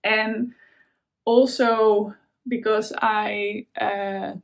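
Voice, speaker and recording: A woman's voice: medium pitch, little pitch movement, extremely slow. A Dutch woman with a Dutch accent hosting a knitting vlog, talking in a casual, hesitant way with many fillers and restarts. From Netherlands. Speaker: knitting podcast host. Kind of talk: casual chat to camera.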